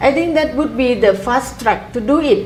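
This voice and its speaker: Amid noticeable background noise and audible room echo, a woman talks at a high pitch with ordinary pitch variation. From Thailand. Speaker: researcher. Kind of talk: interview. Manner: halting.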